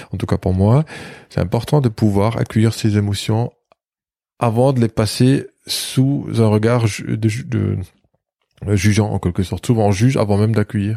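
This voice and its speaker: Recorded very cleanly with a silent background and a dry, close sound with no echo, a man speaks in a fairly low pitch with a dark, mellow tone. His pace is fairly slow, with long, frequent pauses and ordinary pitch variation. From East Germany. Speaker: sexologist and pastor. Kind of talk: interview conversation.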